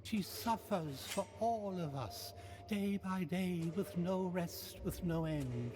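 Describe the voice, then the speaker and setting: A man's voice: sits high, expressive, slow, background noise. An actor playing a devout, fawning male zealot in a video game, rapt, courteous and worshipful in theatrical speech. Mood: rapt devotion. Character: devout male zealot, fawning and reverent before suffering lady.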